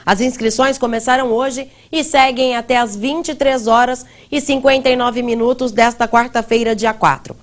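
A woman's voice: on the high side, fairly even intonation, moderate pace, hardly any pauses, no room sound. A young woman presenting a read news bulletin in a TV studio on a lapel mic. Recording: faint music bed.

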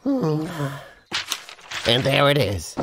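An actor playing an excitable, scheming but soft-hearted logger in a cartoon, exclaiming and muttering to himself. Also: male voice, medium pitch, extremely slow, music in the background, full character voice. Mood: fretful, scheming. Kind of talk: animated cartoon dub acting.

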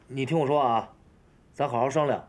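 A man's voice: medium pitch, fairly quick, background noise, natural voice. A man in his thirties playing a harried, placating husband in a TV drama, stammering and coaxing in a natural style. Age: 30s. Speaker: actor in a television family drama. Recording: music behind the dialogue.

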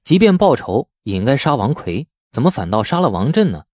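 A male audiobook narrator tells a story in a scripted, dramatic style. His mid-pitched voice moves in lively swings, and the sound is close and dry. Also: brisk, no echo.

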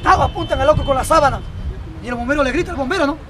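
A man telling crude jokes in the street, often checking in with the crowd. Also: extremely high pitch. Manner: rapid, crude, asks crowd for approval. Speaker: street comedian. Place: outdoor street. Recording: loud outdoor street crowd and traffic.

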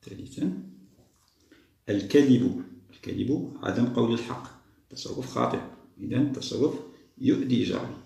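A man patiently walking young schoolchildren through a test, repeating each answer slowly. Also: mid-range voice, creaky, mellow, echoey room. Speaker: teacher solving a school test. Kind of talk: step-by-step lesson for young children.

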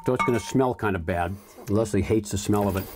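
A man in his eighties giving a relaxed, rambling tour of his homestead, often repeating words while he thinks, on a lapel mic with faint background noise. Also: fairly low pitch, a little fast, over loud music. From United States. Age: 80s. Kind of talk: casual tour talk. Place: outdoor garden and home pantry.

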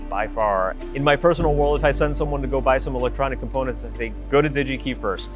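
A man talks through safety equipment on a big factory floor, energetic and eager. A lapel mic picks him up cleanly, with music playing underneath. His pitch sits in an ordinary middle range. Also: fast. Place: large factory floor indoors. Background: background music.

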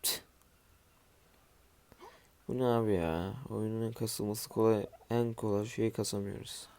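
A groggy man who has just woken up, talking through a game in a low, gravelly voice. His tone is dark and mellow, and he mutters to himself as he builds, dropping the odd aside to viewers from his room at home. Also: fairly even intonation, unhurried. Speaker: gamer streaming his play. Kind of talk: casual let's-play commentary.

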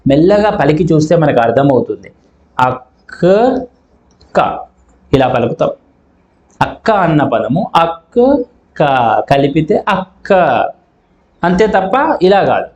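A man teaching a grammar lesson, speaking slowly and sounding out syllables to show how they are pronounced. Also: fairly high pitch, darkish tone. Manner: slow, deliberate, sounds out syllables to demonstrate. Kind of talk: explanatory classroom lesson. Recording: echoey room, dull lo-fi sound.

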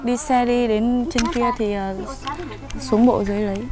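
A young woman from the village answering questions with quiet, brief, polite replies. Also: fairly high pitch, fairly even intonation, normal speed. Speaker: local villager guide. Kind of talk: casual conversation.

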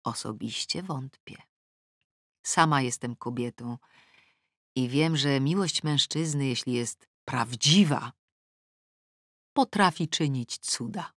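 A woman's voice: low-pitched, no echo. Woman narrating a novel, dry and close. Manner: switches between sharp, scornful asides and a calm, measured advice-column tone. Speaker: audiobook narrator. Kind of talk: first-person novel narration with acted letters and asides. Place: recording booth. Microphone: studio microphone.

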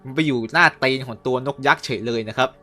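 A young man casually recapping and reviewing a cartoon episode, chatty with quick asides. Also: mid-range voice, sharp tone, soft background music.

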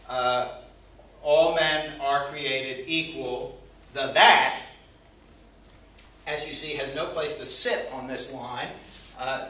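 A man's voice: mid-range voice, sharp tone, a little hiss or hum. A man teaching a sentence-diagramming lesson, thinking aloud with frequent fillers as he works at a board. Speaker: grammar teacher. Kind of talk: whiteboard grammar lesson. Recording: echoey room, mic far off.

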